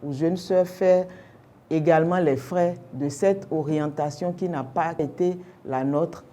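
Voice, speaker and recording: A young adult woman, a Yoruba native speaker, answering interview questions as an orientation specialist in a measured, explanatory way with rhetorical questions. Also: low voice, steady tone, dark tone. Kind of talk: formal radio interview answers.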